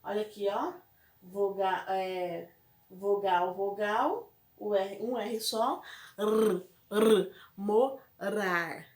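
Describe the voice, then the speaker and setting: Brazilian woman, primary teacher, slow patient delivery, echoey room. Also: mid-range voice, a little mellow. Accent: Brazilian Portuguese. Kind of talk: recorded classroom lesson.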